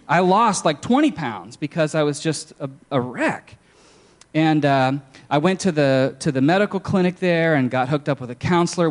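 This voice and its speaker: A young man casually sharing a personal testimony, candid, with plenty of fillers and restarts. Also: on the high side.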